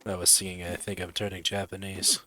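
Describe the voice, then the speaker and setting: A man's voice: low voice, flat delivery, a little fast, sharp tone. A man giving casual, playful commentary as he hosts a gaming video.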